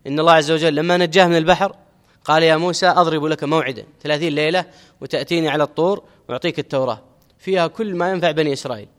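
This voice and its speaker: A middle-aged man teaching an Islamic religious lesson, explaining a text and quoting scripture, with measured teaching and key phrases repeated for emphasis. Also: fairly high pitch. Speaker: Islamic scholar teaching hadith commentary. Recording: long hall reverb.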